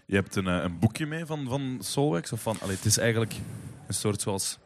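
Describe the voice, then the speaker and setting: A man's voice: lowish voice, animated, brisk, slight background noise. A man with a Flemish accent hosting a casual interview about music. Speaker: interviewer and host.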